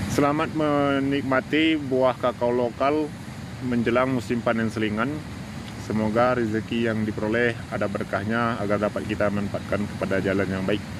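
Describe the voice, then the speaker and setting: Noticeable background noise sits under this man's voice. His sound is dry, without any echo. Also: ordinary pitch variation, moderate pace. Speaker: farmer vlogger. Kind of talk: casual vlog chat. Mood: calm, friendly. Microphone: phone near.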